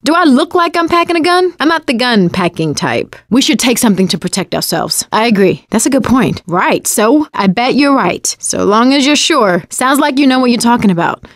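A woman acts out a young female survivor in a zombie shooter game. Her voice is fairly high and swings widely in pitch, with a sassy, sardonic, wisecracking delivery. The sound is dry, with no room on it. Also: moderate pace, hardly any pauses, no room sound, natural voice. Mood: wry. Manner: sardonic, expressive. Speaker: video game voice actress. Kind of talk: video game combat barks and quips.

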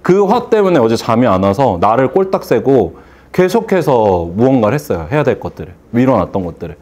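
This is a male hair salon owner speaking to a seated audience. His motivational speech includes rhetorical questions and acted-out phone calls, delivered in a slightly mellow, medium-pitched voice.

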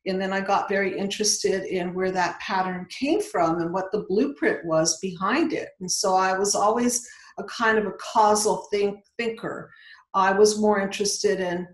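A woman's voice: mid-range voice, steady tone, moderate pace. Older Hungarian-born woman, roomy call audio. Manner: earnest, explanatory, with frequent restarts. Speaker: psychologist guest. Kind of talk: video call interview. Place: indoor home office.

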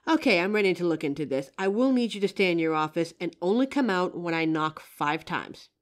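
A woman's voice: lowish voice, expressive, a little fast, close to an everyday voice. A woman playing a young psychic, earnest, confident and helpful, in a scripted roleplay audio drama. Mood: polite, assured. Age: young adult. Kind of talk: scripted roleplay audio acting, addressing the listener.

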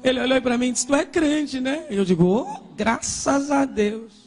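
A woman missionary from Brazil preaching a fervent pentecostal sermon and testimony, often shouting and speaking in tongues. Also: sits high, expressive, normal speed, faint music behind.

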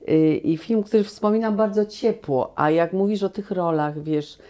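Low-pitched woman guest in her sixties, mellow voice, lively anecdotes, lapel mic in a small room. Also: moderate pace. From Poland. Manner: animated storytelling with many restarts. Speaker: guest actress. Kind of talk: relaxed reminiscing conversation. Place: small cozy room, indoors.

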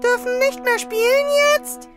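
An extremely high, slow, babyish creature voice for a cartoon. It is a cute magical pet talking in simple little bursts, with music behind. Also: female voice, steady tone. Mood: puzzled. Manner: babyish, broken simple speech. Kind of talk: German cartoon dubbing.

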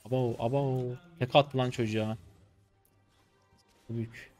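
A man in his twenties commentating his own gameplay live, excitable and swearing casually as he talks to viewers. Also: mid-range voice, a little slow, faint music behind. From Turkey. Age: 20s. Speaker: game streamer.

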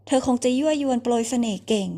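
A woman's voice: fairly high pitch, lively intonation, fast, warm tone. A woman voicing a jealous, sarcastic older man who accuses his young wife, for a storybook reading.

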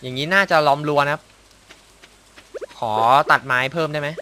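Against a noisy background, a young man with a fairly high, steady voice commentates casually at a moderate pace as he plays a video game. He exclaims, mutters to himself and makes little sound effects in a relaxed let's-play.

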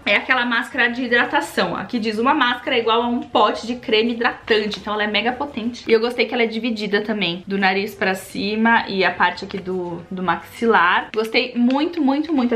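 A woman's voice: on the high side, bright, forceful tone. A young woman casually reviewing drugstore beauty products to camera in a chatty, upbeat way, repeating words for emphasis, seated indoors in a home studio. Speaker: beauty vlogger.

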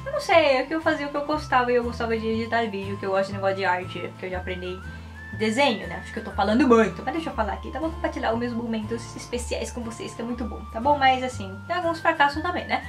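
Talking fast and expressively in a slightly high voice, this Japanese YouTuber in her 20s, who also teaches Japanese, rambles casually and animatedly to the camera. She's in a small indoor room with music playing in the background.

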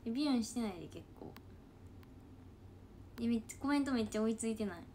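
Woman, Kansai accent, somewhat high voice; drowsy, chatty late-night stream host, rambling and giggly, close mic. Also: animated, quick pace, dark tone, a little hiss or hum. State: sleepy. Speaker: idol trainee livestreaming. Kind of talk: casual late-night livestream chat reading comments.

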